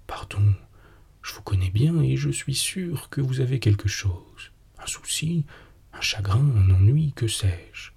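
A man voicing an affectionate, teasing young wife in a whispered role-play, breathy and soft. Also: mid-range voice, lively intonation, measured pace, heavily acted. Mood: coaxing. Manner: coaxing, gently teasing.

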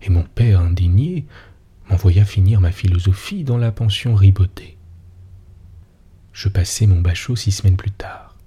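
A man reads a story in a breathy, husky near-whisper. His voice is low and dark, and he takes his time over every line. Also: a little slow. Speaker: narrator.

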